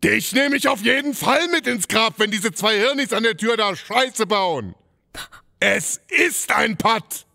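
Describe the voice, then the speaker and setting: An actor playing an aggressive, cornered gangster in a radio play, menacing and foul-mouthed. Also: male voice, high-pitched, animated, a little slow, gravelly, pushed and bright, exaggerated voice. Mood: menacing, defiant. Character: cornered aggressive male gangster holding hostages.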